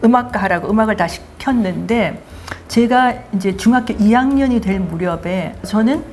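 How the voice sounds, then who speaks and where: An older woman hosting her own show, telling her life story in a lively, self-mocking way. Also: medium pitch, moderate pace, slight background noise. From Daegu, South Korea. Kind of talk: casual storytelling chat.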